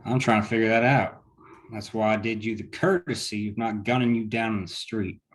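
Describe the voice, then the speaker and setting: Man reading as low-voiced, wary Western lawman. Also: fairly even intonation, a little fast, lightly acted. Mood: suspicious. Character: wary, menacing small-town Western lawman with dry sarcasm. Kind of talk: table read of a period Western screenplay.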